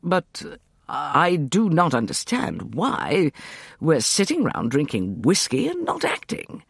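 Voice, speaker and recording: A man's voice: high voice, lively intonation, moderate pace, a bit bright, no room sound, clean studio sound, pitched above the performer's own voice. A man voicing a mild scholarly Englishman who has turned peevish and agitated.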